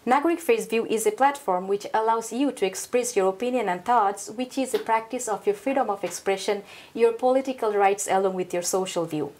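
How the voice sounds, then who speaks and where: A woman hosting a TV studio interview, effusive and halting, with frequent uhs. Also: mid-range voice, darkish tone. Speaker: TV host.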